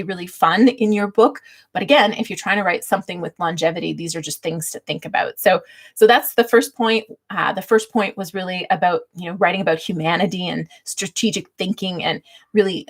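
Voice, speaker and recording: A middle-aged woman with a slightly husky voice, hosting a casual livestream and teaching in a chatty, light-hearted way. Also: fairly low pitch. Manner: chatty, laughs readily as she talks. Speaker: livestream host giving book-writing tips. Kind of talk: casual livestream teaching talk with chat replies.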